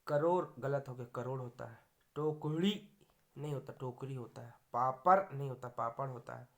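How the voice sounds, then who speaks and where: Gravelly-voiced male Hindi grammar teacher. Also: mid-range voice, flat delivery, a little fast. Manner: drills correct and wrong spellings word by word. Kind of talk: grammar lecture for exam students.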